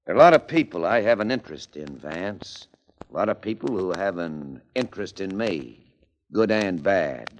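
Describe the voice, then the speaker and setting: An actor playing a blunt, cocky male political boss in a 1940s radio drama, talking in an unhurried, menacing way. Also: deep voice, lively intonation, slight background noise.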